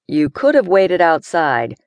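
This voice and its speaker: A woman voicing an easygoing, teasing young man from the countryside who stays calm. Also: fairly low pitch, measured pace, no echo.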